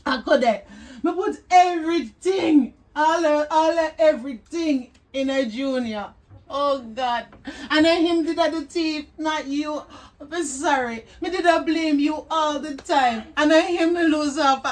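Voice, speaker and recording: A high-voiced Jamaican mother, played by a woman, sobbing and pleading in drawn-out patois, her cries repeating over and over. She speaks slowly, and the voice sounds somewhat distant from the mic, as in a homemade web drama. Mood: quiet remorse. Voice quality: wailing, sobbing patois with broken laughter. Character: grieving Jamaican mother, remorseful, overwrought. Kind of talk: amateur web drama acting.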